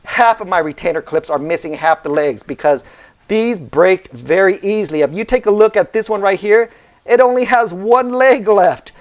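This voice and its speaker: A man's voice: high voice, moderate pace. A man hosting a casual car repair vlog, chatty and often checking in with listeners by asking "okay?" and "right?". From United States, Southern California. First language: Vietnamese heritage speaker, fluent in English. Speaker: car repair channel host. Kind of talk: casual how-to vlog talk.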